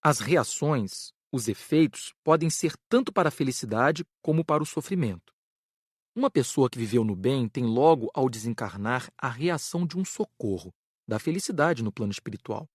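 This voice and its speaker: Casting: male actor as earnest Brazilian spirit doctor, audiobook lecturer, mid pitch, careful diction, dry close sound. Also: lively intonation, slightly rough, dry recording. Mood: measured, instructive. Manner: measured, didactic, careful enunciation. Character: Frederico, earnest spirit doctor teaching karma.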